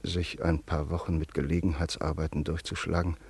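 Deep, husky, sombre narrator. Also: male voice, level tone, darkish tone, exaggerated voice. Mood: grave. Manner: grave, deliberate. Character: sombre male narrator recalling his friend's fate. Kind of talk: scripted radio drama narration.

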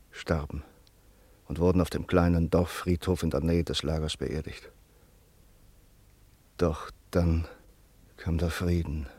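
A solemn narrator for a radio drama. His low voice is recorded close and dry. The delivery is measured, grave and literary. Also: a little mellow, breathy edge, no room sound, exaggerated voice. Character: solemn male narrator of a postwar tragedy.

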